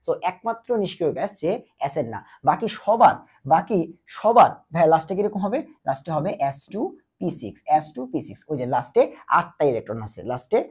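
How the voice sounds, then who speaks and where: Feverish tutor, husky voice. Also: male voice, on the high side, sing-song, fairly quick. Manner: repetitive call-and-answer teaching, quizzing the listener. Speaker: chemistry tutor. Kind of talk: exam-prep lecture.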